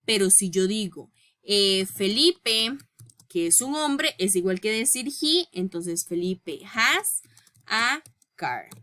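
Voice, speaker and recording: Woman, English teacher, unhurried, bright tone, patient step-by-step explanations. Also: medium pitch, animated. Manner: reads English rules slowly and deliberately. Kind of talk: recorded grammar lesson.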